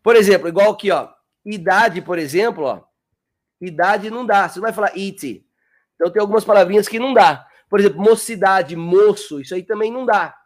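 High-voiced man teaching English live. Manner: chatty, coaxing, reads viewers' names; repeats words slowly to model pronunciation. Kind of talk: live-streamed lesson.

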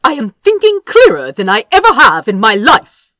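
A woman's voice: on the high side, huge pitch swings, normal speed, sharp tone, dry recording, studio quality, pitched above the performer's own voice, exaggerated voice. A woman voicing a principled younger prince in an audiobook, defiant and indignant, with a tart, insistent, disapproving manner. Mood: snapping defiance.

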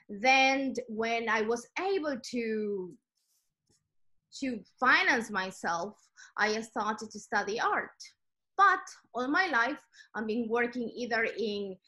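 A woman's voice: on the high side, sharp tone, poor audio. A middle-aged woman from Ecuador with an Ecuadorian Spanish accent, a native Spanish speaker answering interview questions in a reflective, storytelling way. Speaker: guest.

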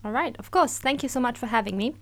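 A woman's voice: a little high, gravelly. A woman in her thirties with an Austrian accent, chatting openly and upbeat as a guest on an interview podcast. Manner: chatty and upbeat, quick asides with laughs. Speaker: guest, accelerator program director. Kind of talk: casual interview talk.

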